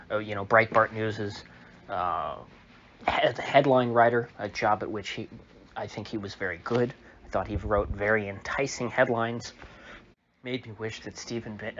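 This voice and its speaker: A man who is ill, voice a little off, giving a halting, opinionated political commentary monologue full of fillers, recorded in a room. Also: lowish voice, bright, forceful tone, muffled recording, a little hiss or hum. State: sick, slightly off voice. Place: indoor room.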